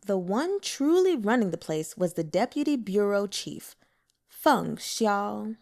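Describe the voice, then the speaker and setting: A woman narrating a novel as an audiobook with expressive storytelling. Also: mid-range voice, slow, creaky. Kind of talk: scripted narration.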